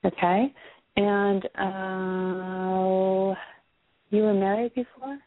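A hoarse woman with a cold, giving a psychic reading to a caller, hesitant with many ums before firm predictions. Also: mid-range voice, level tone, extremely slow, dry recording, faint music behind. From United States. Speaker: psychic reader. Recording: dry, phone-quality sound.

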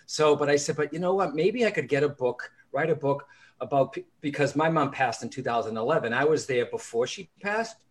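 A man's voice: a little high, fairly quick. A man with a Boston accent, a guest author talking casually and animatedly in an interview, full of restarts and asides. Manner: chatty, animated storyteller with restarts. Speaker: psychic medium and author, guest.

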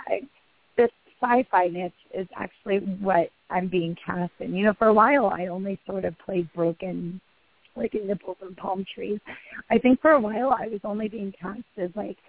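A woman in her thirties with a husky voice, an actress guest talking casually in a rambling, chatty way with many restarts. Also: medium pitch, no room sound. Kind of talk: phone interview. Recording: tinny phone line.

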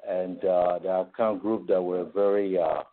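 A man with an Ivorian accent and a fairly low voice explains history as an interview guest. His delivery is measured and halting. The sound is a narrow, tinny phone connection. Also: steady tone. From Ivory Coast. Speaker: guest on a call-in show. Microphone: phone call.

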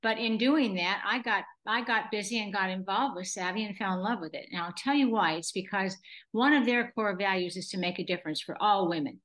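A woman's voice: mid-range voice, fairly quick, fairly bright tone, rough recording. A woman in her eighties from Southern California, a gracious, enthusiastic guest chatting in an interview and laughing easily. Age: 80s. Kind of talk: casual interview chat.

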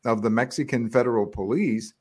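A male talk show host questioning his guest in an animated, incredulous way. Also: mid-range voice, brisk, slightly rough. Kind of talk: casual political talk.

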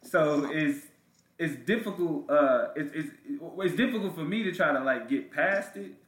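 An African American man talks in casual, slangy podcast chat. His voice sits a bit high for a man. He repeats words as he works out a point, and the room around him is echoey. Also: normal speed, a bit bright. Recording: roomy, echoey sound.

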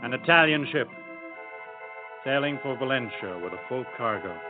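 An actor playing a determined, earnest young sailor who believes the world is round, in the style of old-time radio drama. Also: male voice, medium pitch, normal speed, lightly acted. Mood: solemn. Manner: earnest, steady, quietly insistent. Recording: tinny lo-fi recording with organ music.

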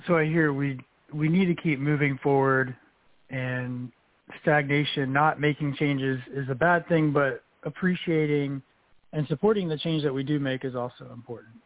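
A man hosts an interview, summing up his guest's points and asking questions in a careful, measured way. His voice is dry and close, with no room sound. It comes through a narrow, phone-like band. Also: on the high side, fairly even intonation, no room sound. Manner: summarizing and probing, measured. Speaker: radio show host.

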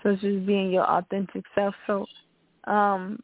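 A woman hosting a radio interview, asking questions in a casual way and answering with quick affirmations. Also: mid-range voice, completely flat delivery, vocal fry, dry recording. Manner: warm-up questions, affirming replies. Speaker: radio host. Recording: tinny dry phone line.

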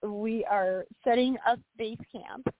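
Higher-voiced woman on a tinny phone line. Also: slow pace, no echo. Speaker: radio show co-host. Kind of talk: casual banter, short reactions.

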